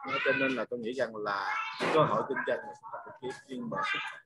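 A man's voice: mid-range voice, huge pitch swings, fast. A man in his forties, a business trainer, talking casually on a video call from home, rambling and laughing as he asks his listeners questions. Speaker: business trainer hosting a morning Zoom session. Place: home room with guests over. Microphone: webcam microphone on a video call. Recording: loud crowd chatter behind the voice. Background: noisy party crowd in the house.

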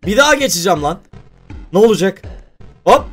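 A man giving playful, excitable let's-play commentary at his computer, often exclaiming and laughing as he talks to viewers. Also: high-pitched, fairly quick, soft background music. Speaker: gaming YouTuber.

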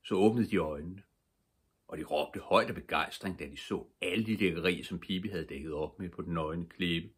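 An older man reading a children's book aloud as a calm, steady bedtime story. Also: low-pitched, slightly rough. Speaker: storybook reader.

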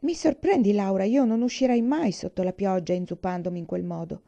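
A woman's voice: mid-range voice, brisk, gravelly, warm tone, no echo, dull audio, close to an everyday voice. A woman voicing a prim, well-behaved older sister girl in a storybook reading, reproving in manner.

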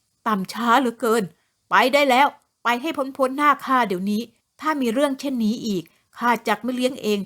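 A woman voicing a stern male nobleman in a storybook drama, giving loud, harsh commands. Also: high-pitched, drawn-out words, long pauses, full character voice. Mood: angry. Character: stern male nobleman, quick-tempered master.

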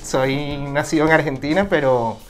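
A man, a guest telling his own story in a relaxed, reflective way in a small office. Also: fairly high pitch, normal speed. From Venezuela. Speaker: interview guest. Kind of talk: casual personal account.

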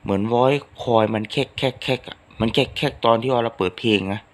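A man's voice: on the low side, fairly even intonation, brisk. A man hosting his own channel, chatting casually to his followers in a rambling, homely way with lots of fillers. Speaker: channel host. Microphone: phone microphone.

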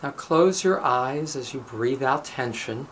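A man of medium pitch guides a meditation and recites blessings as a rabbi would. His delivery is very slow and deliberate, broken into short phrases with pauses. A light noise sits behind the voice. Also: lively intonation, a bit bright. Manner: measured, deliberate, pausing between short phrases.

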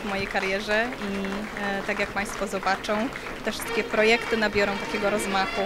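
A woman's voice: medium pitch, little pitch movement, moderate pace. A woman in her thirties, a contest winner, giving a hesitant, emotional news interview into a handheld mic with many fillers. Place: banquet hall, press wall. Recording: hall crowd and music behind.

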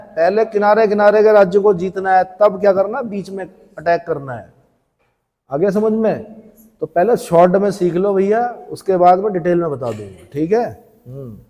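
A man's voice: high voice, normal speed, dark tone, big-room sound, dull audio. A male teacher giving a classroom lecture, repeating key points as questions to the class and mixing in folksy stories, with a northern Indian Hindi accent. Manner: folksy storytelling asides.

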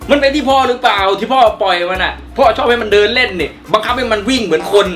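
A man's voice: fairly high pitch, animated, quick pace, fairly bright tone. A man voicing a sarcastic young adult son who argues back at his father, in a cartoon fan dub. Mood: defensive. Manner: defensive, mocking. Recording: music under the voice.

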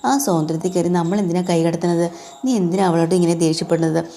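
A woman's voice: fairly low pitch, fairly even intonation, fast, dark tone, a little hiss or hum, natural voice. A woman voicing a middle-aged father who firmly lectures his wife in his daughter's defence. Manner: firm, lecturing.

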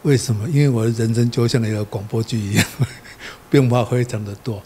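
A man's voice: medium pitch, fairly quick, darkish tone, a little hiss or hum. A Taiwanese-accented man in his sixties speaking Mandarin casually as an interviewed guest. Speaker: songwriter and dentist, guest lecturer. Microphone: handheld reporter microphone.

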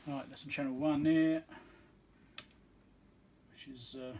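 At a small, crowded indoor electronics workbench, a man who fixes electronics and hosts videos offers slow, offhand running commentary. His medium-pitched voice is level and a bit mellow, and faint background noise can be heard.

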